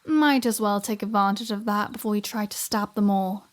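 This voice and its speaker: A woman's voice: medium pitch, normal speed, lightly acted. A woman playing a flirty, sardonic vampire in a scripted ASMR roleplay audio drama, with breezy, sarcastic banter. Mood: wry, breezy.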